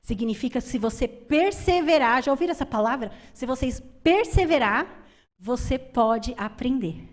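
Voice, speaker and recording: Brief: woman speaker, slightly high voice, animated church talk, asks the room questions. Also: moderate pace. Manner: lively, emphatic, asks the audience questions. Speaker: women's ministry speaker.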